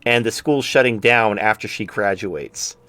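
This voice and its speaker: A man's voice: lowish voice, measured pace, pushed and bright, dry recording. A man hosting a podcast in casual chat who keeps mimicking other people's voices. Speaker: podcast host.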